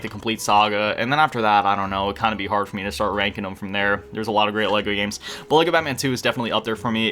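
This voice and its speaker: Fast-talking young man, bright voice. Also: on the low side. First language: English. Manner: rambling, self-deprecating, quick asides. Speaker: gaming YouTuber. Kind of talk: casual game collection review.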